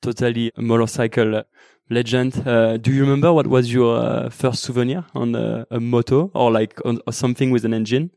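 A man's voice: medium pitch, level tone, fairly quick, vocal fry, warm tone, no room sound. A man hosting a podcast, introducing guests and asking questions with hyped, enthusiastic delivery. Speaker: podcast host.

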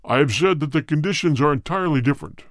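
A male audiobook reader voicing a cold, hard, deep spirit that speaks through a medium in slow, grave sentences. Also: expressive, no room sound, studio quality. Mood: solemn. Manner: slow, grave, measured pronouncements. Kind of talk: audiobook reading.

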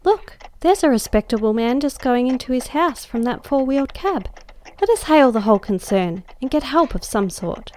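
A woman's voice: high-pitched, very animated, moderate pace, a little mellow, pitched above the performer's own voice. A woman reading aloud and voicing a fretful, dramatic female companion who pleads and exclaims.

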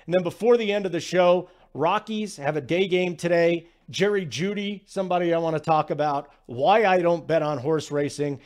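A man's voice: a little high, moderate pace, hardly any pauses, darkish tone. A man hosting a sports betting radio show, talking in an emphatic, casual way and often asking "okay?".

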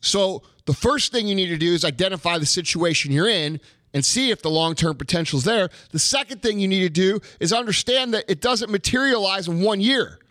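A man's voice: sits high, lively intonation, a little fast, sharp tone, no room sound. A man giving a blunt, profane motivational rant, hammering his points home with emphatic repetition. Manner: blunt, emphatic, heavy swearing. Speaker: motivational speaker.

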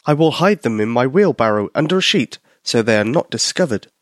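A man voicing a calm, reassuring male helper figure in a children's story. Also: mid-range voice, fairly quick, no room sound, clean studio sound, natural voice.

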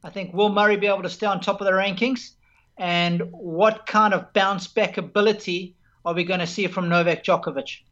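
A man in his forties with a South African accent, a tennis broadcaster and former player, answering interview questions in an earnest, measured way. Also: sits high, steady tone, a bit bright, muffled recording. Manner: earnest, measured, lists points methodically. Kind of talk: relaxed interview conversation.

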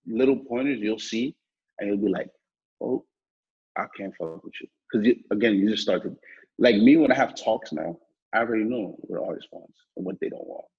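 A man in his twenties from New York talks casually in an interview, his speech loose, slangy and profane. His voice sits on the low side with a breathy edge, moving at a moderate pace, and the recording sounds muffled and lo-fi.

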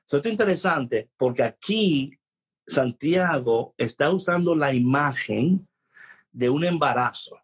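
A man co-hosting a casual Bible discussion, animated and full of restarts, mixing English phrases into his Spanish. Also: on the high side, unhurried, breathy edge. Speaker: co-host of a Bible talk show.

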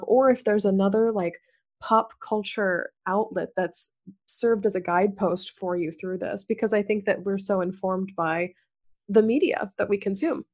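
A woman's voice: medium pitch, a little mellow. Bubbly, giggly woman interviewer. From American South. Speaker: podcast interviewer. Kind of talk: conversational interview.

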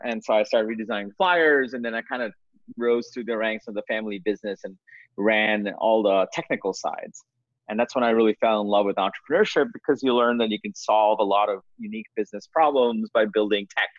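A man from Bangladesh raised in New York, a guest entrepreneur telling his stories in an energetic, self-deprecating way. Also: fairly low pitch, no echo, muffled recording. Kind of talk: casual interview storytelling.

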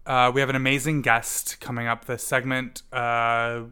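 Brash cohost guy, crude jokes, bright crisp voice. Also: mid-range voice, flat delivery, moderate pace. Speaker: podcast co-host. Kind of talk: casual podcast chat.

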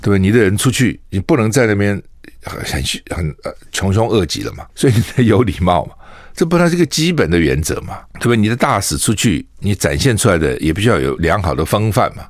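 A man's voice: on the low side, sing-song, quick pace, dry recording, clean studio sound. An older man from Taiwan, a radio talk show host, giving opinionated commentary full of scolding rhetorical questions. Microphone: studio microphone.

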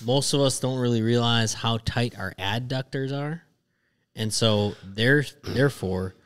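Bright, forceful man talking at an unhurried pace. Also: mid-range voice, smooth. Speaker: podcast co-host. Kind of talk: casual podcast banter and exercise tips.

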